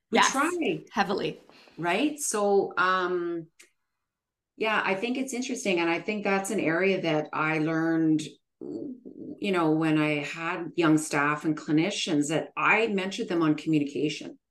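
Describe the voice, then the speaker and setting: A woman speaks in a Canadian accent with a fairly low pitch and lively intonation. Hers is an unremarkable speaking voice at a fairly slow pace. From Canada. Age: 50s. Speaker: business coach and former clinic owner. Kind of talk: interview conversation.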